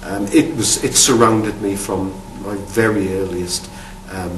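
Geordie man, low voice, roomy distant sound. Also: steady tone, measured pace. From Newcastle upon Tyne, England. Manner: thoughtful, many restarts and repeated words. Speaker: archaeology professor. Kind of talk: interview answers to camera. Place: studio with dark backdrop. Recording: roomy, distant mic, faint hum.

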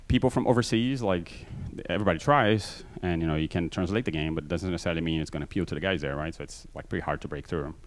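A man with a low voice and a Brazilian accent, mixed from living in many countries, speaks into a handheld mic on a large conference stage. He talks fast and loose, with constant fillers and self-deprecating asides. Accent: Brazilian Portuguese mixed. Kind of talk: conference talk.

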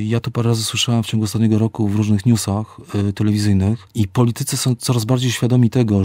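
A middle-aged man, both author and psychologist, responds in an interview with reflective, measured answers, slowing down to stress key words. His voice is on the low side and warm, captured in clean studio sound with no echo.

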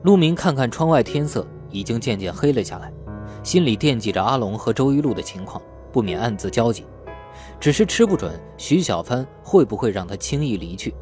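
A man narrates a novel for an audiobook. His mid-pitched voice moves with lively, wide intonation, and faint music plays behind him. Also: brisk.

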